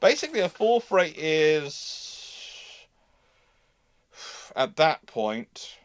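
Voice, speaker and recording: A man hosting a live history question-and-answer session, talking haltingly and often repeating and rephrasing his words. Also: fairly high pitch, sing-song, no echo. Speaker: host of a naval history livestream.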